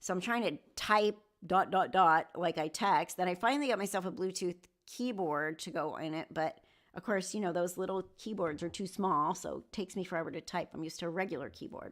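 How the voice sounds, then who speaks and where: An ordinary speaking voice from a woman, medium in pitch with ordinary variation, at a fairly quick pace on a very clean recording with a silent background. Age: 60s. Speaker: YouTube livestream host, hospice nurse. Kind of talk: casual livestream chat.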